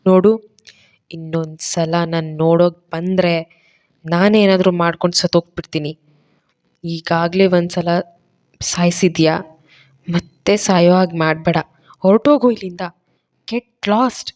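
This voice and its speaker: A heartbroken but defiant young heroine, as a woman narrator plays her, emotional and determined in her speech. Her voice is slightly low and soft in an audio love story. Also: steady tone, unhurried, long pauses, natural voice. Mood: angry.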